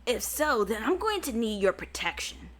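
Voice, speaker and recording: A woman's voice: a little high, sing-song, normal speed, a bit bright. Woman reading as snobby upper-class crew member. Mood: smug. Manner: reading game dialogue aloud in a plain voice.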